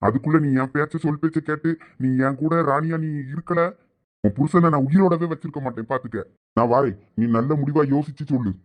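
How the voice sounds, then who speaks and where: A man with a slightly high, fairly quick voice, close to how he'd normally talk, plays a scheming male cartoon villain holding a woman captive. He gloats and sounds menacing, speaking with a Thoothukudi Tamil accent.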